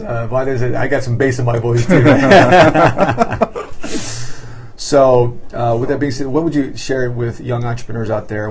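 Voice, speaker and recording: A man hosting a casual motivational livestream from his office, upbeat and greeting viewers by name between questions. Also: mid-range voice. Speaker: host of a livestream.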